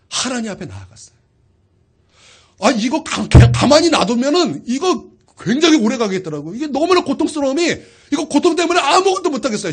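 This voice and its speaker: A man preaching a sermon in a high, bright voice that leaps up and down as he tells his story. He talks straight to the congregation and throws questions at them. He shifts his delivery constantly to keep them listening. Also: breathy edge. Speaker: pastor.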